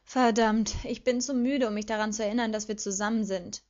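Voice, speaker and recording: A woman reading a fan fiction audiobook aloud as lively first-person storytelling. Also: fairly high pitch, a little fast. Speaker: audiobook reader. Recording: slightly dull lo-fi recording.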